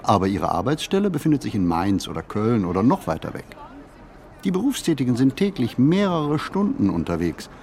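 A man playing a pensive city wanderer in a radio play, narrating a literary monologue with deliberate, measured phrasing and pauses. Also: mid-range voice, darkish tone, slight background noise. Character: pensive male city wanderer musing on modern life. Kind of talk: scripted literary monologue, reflective first-person narration.

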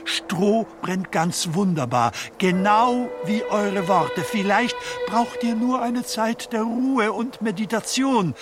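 An actor playing an earnest, deferential medieval scribe in a radio play, with a formal, archaic and solicitous manner. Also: male voice, high-pitched, slow, few pauses. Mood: earnest, puzzled. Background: music.

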